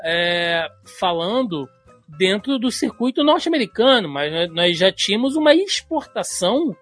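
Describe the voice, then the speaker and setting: A man's voice: high voice, big pitch swings, measured pace, a bit bright, faint music behind. A man in his thirties with a Carioca accent, co-hosting a casual podcast and explaining at length with many fillers. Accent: Carioca Portuguese. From Brazil. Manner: chatty, lots of "né" fillers, tangents. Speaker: podcast co-host.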